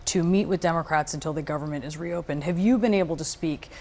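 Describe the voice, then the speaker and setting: Low-voiced woman interviewer. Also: fast, a little mellow. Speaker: news interviewer. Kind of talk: broadcast news interview questioning.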